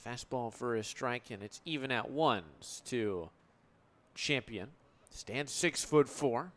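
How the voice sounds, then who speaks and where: A man's voice: medium pitch, lively intonation, slow pace, a bit bright. A young American man in his twenties calling a game live as a radio play-by-play broadcaster. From United States. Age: 20s. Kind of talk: live sports radio commentary. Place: at live sports venues. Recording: crowd and gym noise behind. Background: crowd, ambient game noise.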